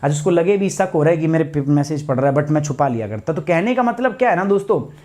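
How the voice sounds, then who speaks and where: A man's voice: fairly high pitch, animated, fast talker, darkish tone. A man, a teacher telling a personal story to students in a live online class, chatty and anecdotal.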